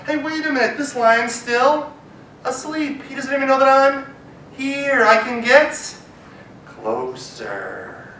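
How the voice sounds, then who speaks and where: A man voicing a tiny, bold young female mouse who talks in a squeaky, eager way. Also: very animated, slow pace, sharp tone, echoey room, distant mic, a little hiss or hum, full character voice, rough recording. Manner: squeaky, eager, breathless pleading.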